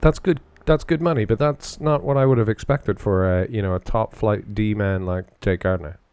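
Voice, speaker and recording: Here, a man with an unremarkable speaking voice uses lively intonation at a fairly low pitch. He keeps a moderate pace. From Canada, London, Ontario area. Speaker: podcast host. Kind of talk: casual chat.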